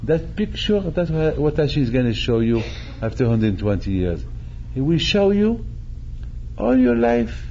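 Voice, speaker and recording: Older man delivering a slow, dark-toned sermon. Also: mid-range voice, highs cut off, a little hiss or hum. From Morocco. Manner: animated, gesturing, repeats phrases and acts out quotes. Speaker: rabbi. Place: synagogue hall, indoors. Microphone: stand mic at chest.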